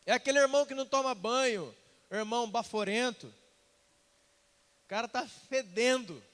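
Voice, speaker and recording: High-voiced pastor preaching in a reverberant church. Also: male voice, moderate pace. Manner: animated, acts out quoted dialogue, asks congregation questions. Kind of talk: sermon. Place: church sanctuary.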